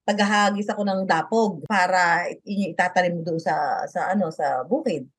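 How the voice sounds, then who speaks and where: A woman's voice: lowish voice, normal speed, breathy edge, no echo. Chatty woman guest with a dry sound. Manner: chatty, laughs often, restarts sentences. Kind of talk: casual interview chat.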